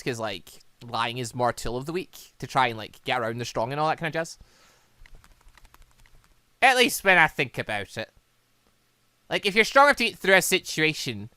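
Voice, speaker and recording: A man hosts a gaming let's-play in a bright, fairly high voice. His pitch moves around a lot as he rambles casually between reading game dialogue and commenting on it. The sound is close and dry. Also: smooth, no room sound. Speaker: gaming channel host.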